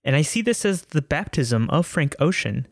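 A man giving a spoken album review in an earnest, thoughtful way, with a few restarts and drawn-out words. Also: on the high side, sing-song, dry recording, studio quality. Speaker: music reviewer.

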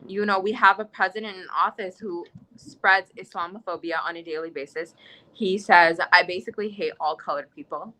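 A woman's voice: fairly low pitch, normal speed, bright, forceful tone, rough recording. A young woman from the United States speaking in an interview, earnest and impassioned, often restarting her sentences. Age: young adult. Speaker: interviewee, student. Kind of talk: conversational interview.

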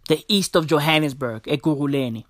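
A young South African man hosts a casual solo podcast, speaking in slang and calling the listener "bro" and "bruv." His voice is a little high, brisk and fairly bright, recorded on a podcast mic at studio quality with no echo.

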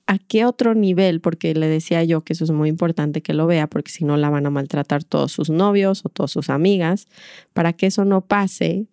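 A middle-aged woman who hosts a podcast, explaining calmly with rhetorical questions. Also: fairly low pitch, clean tone, no echo, clean studio sound. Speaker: podcast host and mother. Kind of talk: reflective coaching talk.

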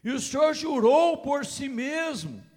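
Fervent high-voiced preacher, echoing hall. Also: male voice, big pitch swings, measured pace. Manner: fervent, rising to shouted pleading in prayer. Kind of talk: sermon. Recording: long reverberant hall.

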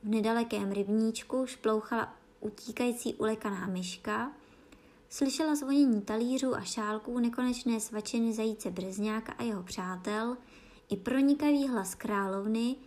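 Woman, storybook narrator, slightly high voice, calm, expressive reading aloud.

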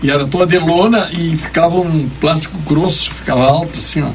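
A man's voice: a little high, brisk, slight background noise, low-quality recording. A middle-aged man with a gaúcho accent bantering on a radio show in a chatty, blunt, colloquial way. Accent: Gaúcho Brazilian Portuguese.

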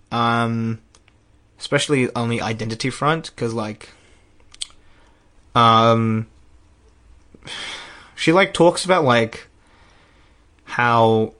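This is a young adult man, chatting casually as a guest. He rambles and circles back on himself, self-deprecating and quick to laugh at his own words. His pitch sits in an ordinary middle range for a man. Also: fairly bright tone. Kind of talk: casual personal chat.

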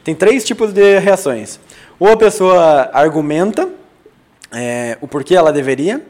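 A man co-hosting a casual business podcast, reflective, restarting his phrases and dropping to a low, confiding tone. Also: animated, measured pace, a little mellow. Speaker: podcast co-host.

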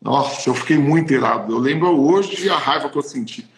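A man's voice: mid-range voice, a little fast, a little hiss or hum. A man, a pastor, telling a personal testimony in an emotional, emphatic way. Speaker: pastor and podcast host. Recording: roomy echo.

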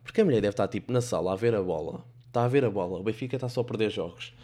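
A man's voice: fairly low pitch, very fast, dark tone. A young man with a European Portuguese accent hosting a podcast, telling comic stories in a sarcastic, rambling, playful monologue. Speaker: podcast host.

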